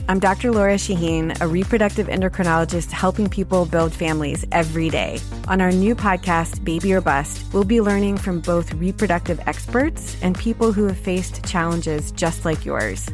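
A woman's voice: lowish voice, moderate pace, hardly any pauses. A woman, a doctor and host, reading a scripted promo for a podcast. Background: music.

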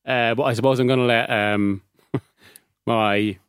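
A man's voice: medium pitch, steady tone, measured pace, clean tone, dry recording, clean studio sound. A man with an Irish accent talking football as a regular on a podcast, chatty, often restarting and laughing. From Ireland. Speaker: football journalist. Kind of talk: casual podcast discussion.

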